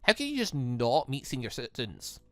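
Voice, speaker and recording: A man's voice: mid-range voice, wildly swooping pitch, normal speed, pushed and bright, no echo, pitched below the performer's own voice, heavily acted. A man voicing a sceptical, mildly exasperated newcomer student in a visual novel. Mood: doubtful. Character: sceptical, questioning newcomer student being shown around. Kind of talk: visual novel dialogue read aloud.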